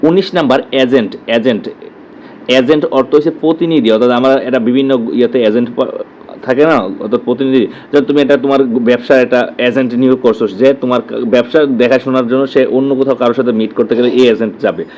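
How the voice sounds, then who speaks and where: A man with a Bangladeshi Bengali accent leads an exam-prep lesson at an even, middling pitch. He drills each term, says the words slowly more than once and keeps checking that students follow. A faint hiss sits under his voice. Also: low-quality recording. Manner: drills terms, repeats words slowly, asks "clear?". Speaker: teacher.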